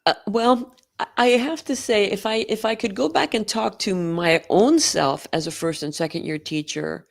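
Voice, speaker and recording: A woman's voice: mid-range voice, moderate pace, vocal fry, no echo, clean studio sound. A middle-aged woman, a school band director, talking as a guest in an interview, telling stories and laughing easily. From Oregon, US. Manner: warm storytelling, laughs easily. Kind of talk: conversational interview.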